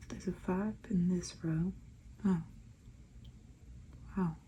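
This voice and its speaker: Soft-spoken, the speaker keeps a moderate pace with long, frequent pauses. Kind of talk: ASMR sudoku walkthrough talking to camera.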